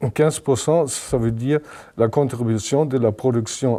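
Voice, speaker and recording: In a German accent, a man speaks at a fairly slow pace, his medium-pitched voice dark and mellow in tone. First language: German (speaking French). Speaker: economist. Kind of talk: interview. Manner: halting.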